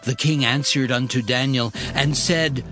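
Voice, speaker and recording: A man's voice: mid-range voice, steady tone, a little slow. A man narrating a dramatized scripture reading as a scripted storyteller. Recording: prominent music behind the voice.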